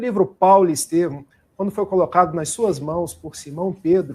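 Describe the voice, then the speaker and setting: The man's high-pitched voice shows ordinary pitch variation. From northern Rio de Janeiro state, Brazil. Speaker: spiritist lecturer. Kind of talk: talk.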